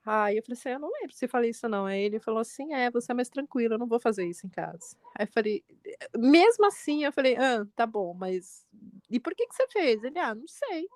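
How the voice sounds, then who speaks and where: A woman in her forties, a mother co-hosting a podcast, telling a family story in lively chat and jumping up in pitch when she quotes people. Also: fast talker, no echo, clean studio sound. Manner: animated retelling, quotes her son with pitch jumps.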